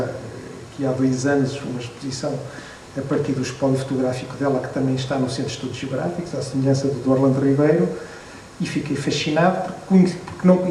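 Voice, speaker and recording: A Portuguese man in his fifties with a European Portuguese accent and a slightly raised pitch shares memories in a meandering, self-deprecating way. He is picked up from across an echoey hall. A faint hiss lies underneath. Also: a little mellow. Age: 50s. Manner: reflective storyteller, hesitant restarts, wry self-deprecating asides. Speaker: photographer and book author at a presentation. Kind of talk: relaxed anecdotal talk to an audience. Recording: echoey room, distant mic, faint noise.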